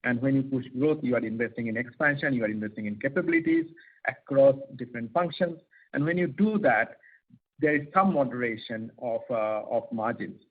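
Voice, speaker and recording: Male finance executive, mid-pitched, slightly husky, heard through thin conference-call phone audio. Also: expressive, fairly quick. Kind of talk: earnings call commentary, partly prepared, partly off the cuff. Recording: tinny, narrow phone-line audio.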